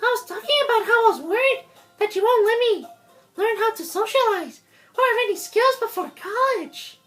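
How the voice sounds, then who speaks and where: A woman voicing a cheerful, clingy high school girl as a plush toy character, pleading and excitable, for a video game dub. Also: moderate pace, soft background music. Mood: worried, pleading.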